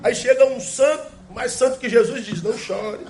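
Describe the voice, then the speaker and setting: A male pastor, preaching a sermon emphatically with rhetorical questions and slowly repeated key phrases. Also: very high-pitched, a little mellow, soft background music.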